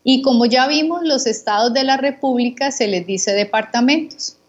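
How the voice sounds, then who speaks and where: A Colombian woman, a guest teacher, calmly contrasting words and giving examples for Spanish learners. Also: high-pitched, normal speed, muffled recording. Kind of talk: slow didactic conversation for learners.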